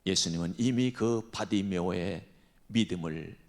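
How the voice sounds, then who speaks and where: A senior pastor, an older man, preaching a sermon with dramatic swings between loud cries and hushed whispers. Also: sits low, unhurried.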